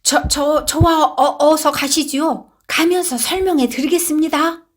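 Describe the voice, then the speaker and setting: A woman playing a stammering excited clerk. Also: a little slow. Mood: flustered. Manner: stammering, breathless high-pitched delivery. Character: flustered male clerk, eager, stammering.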